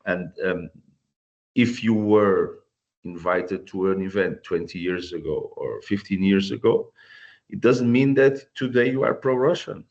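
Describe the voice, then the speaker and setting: A man with a Portuguese accent speaks English in a very deep voice, earnest and searching for words as he restarts and repeats himself. His voice comes through a dull, lo-fi video call, and he is clearly a guest on an online panel. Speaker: guest volunteer.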